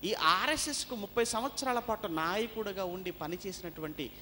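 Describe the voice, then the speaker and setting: A man's voice: sits high, lively intonation, fairly quick, pushed and bright, big-room sound, slight background noise. A man preaching a sermon, driving points home by repeating phrases. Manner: emphatic, repeats phrases for force.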